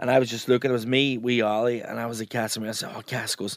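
Someone with an Irish accent speaks at a very fast pace. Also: man. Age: 40s. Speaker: chef and podcast host. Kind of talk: casual chat.

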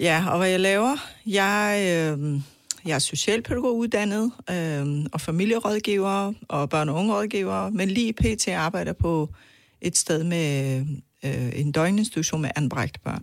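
Speaking very slowly with lively intonation, a woman with a Persian accent is heard on a very clean recording against a silent background. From Iran. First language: Persian (speaking Danish). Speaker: social educator and refugee. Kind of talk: life story interview.

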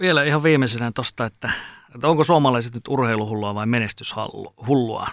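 With an ordinary speaking voice, a man talks at a moderate pace in a medium pitch with ordinary pitch variation, the sound dry and close with no echo. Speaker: sports podcast host. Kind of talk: casual chat.

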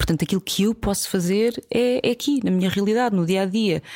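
In a very clean recording with a silent background, a woman is heard. She talks at a moderate pace, her pitch varying in an ordinary way. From Portugal. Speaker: actress and voice-over artist. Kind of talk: casual interview. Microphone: good microphone.

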